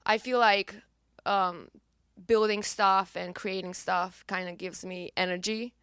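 A woman's voice: medium pitch, fairly even intonation, unhurried, fairly bright tone, clear, resonant tone, no echo, clean studio sound. A young woman singer-songwriter whose first language is Romanian, chatting casually in an interview, bubbly and full of fillers. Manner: bubbly, filler-heavy, laughs easily.

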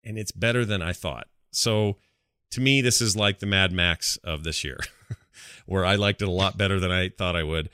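A man's voice: deep voice, moderate pace, sharp tone, clear, resonant tone, no echo, clean studio sound. A man hosting a casual gaming podcast, enthusiastic, slangy and rambling as he talks. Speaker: podcast host.

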